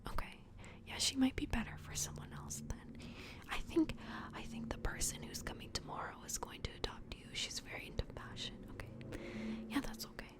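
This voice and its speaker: A woman doing a soft-spoken, whispered ASMR personal-attention roleplay as an adoption worker, gentle, hushed and reassuring. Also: brisk. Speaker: ASMR roleplay host playing a plush toy adoption worker.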